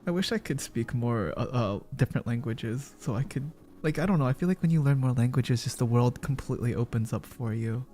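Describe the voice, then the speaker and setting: A man hosting a casual stream, chatting in an animated way and laughing often. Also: medium pitch, fairly quick, hardly any pauses. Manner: animated, laughs often, usually shouts into mic. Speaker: streamer host. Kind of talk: casual chat while crocheting.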